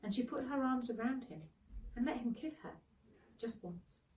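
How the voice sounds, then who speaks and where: A woman's voice: fairly high pitch, animated, a little mellow. Woman storyteller, distant from the mic. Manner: dramatic, deliberate phrasing. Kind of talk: expressive storybook narration.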